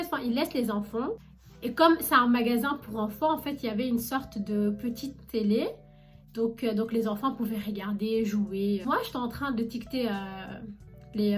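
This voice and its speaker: A young woman with a fairly high voice tells a story in a casual vlog. She is chatty and animated, talking straight to her viewers. Soft music plays faintly behind her. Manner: chatty and animated, addresses viewers directly with many fillers. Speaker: vlogger recounting her job as a shop saleswoman.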